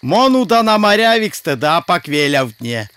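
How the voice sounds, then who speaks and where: Lively, bold young-hearted hero hunter. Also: male voice, on the high side, normal speed. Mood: determined. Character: brave, stubborn male folk-hero hunter and archer. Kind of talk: cartoon character acting.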